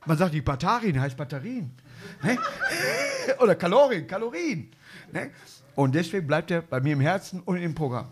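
A man's voice: fairly high pitch, very animated, moderate pace, heavy background noise. A man hosting a live comedy podcast, rambling through anecdotes and chuckling often. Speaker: podcast host. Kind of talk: casual comedy chat.

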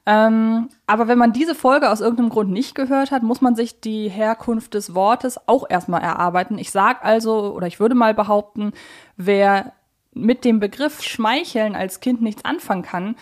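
A woman with a slightly high voice hosts a podcast at a moderate pace. She talks casually, reflecting and explaining as she works through her points.

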